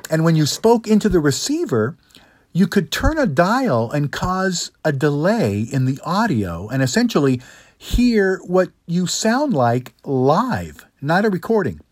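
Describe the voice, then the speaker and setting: A middle-aged man delivers a scripted instructional monologue in a practiced, slightly high register. His pitch swings widely through deliberate phrases and rhetorical asides, and the voice has a husky edge. The sound is very dry, with no room on it. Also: sing-song, dry recording. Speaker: public speaking coach, host.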